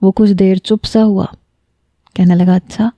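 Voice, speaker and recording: A woman narrating a romance story in the first person, with a calm, intimate storytelling delivery. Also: medium pitch, dry recording.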